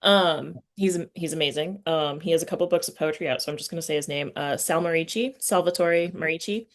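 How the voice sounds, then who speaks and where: Low-voiced and brisk, this woman is a podcast interviewer and writing teacher. She hosts a relaxed conversation about literature, speaking casually and forming questions out loud.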